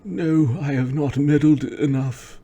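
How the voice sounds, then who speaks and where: A man's voice: fairly high pitch, takes it slowly, mellow, voice pushed up. A man voicing a stubborn, meddling old man in a tabletop game, drawn out, theatrical and defiant. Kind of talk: tabletop game role-play.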